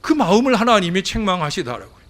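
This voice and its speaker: A man preaching an earnest sermon as pastor in a church, moving between hushed and emphatic. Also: sits high, very animated, fast. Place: church sanctuary.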